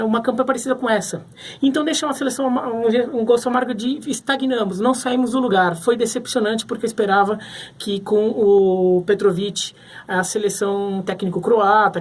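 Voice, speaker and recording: A man from Brazil giving casual sports commentary to camera, thinking aloud with frequent restarts. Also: sits high.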